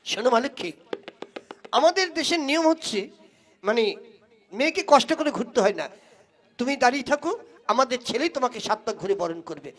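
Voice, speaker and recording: A man's voice: very high voice, lively intonation, fairly quick, pauses often, fairly bright tone. A man voicing a bossy village matchmaker who scolds the groom and sweet-talks the bride, in a folk puppet show. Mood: persuading. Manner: scolding, then sweet-talking.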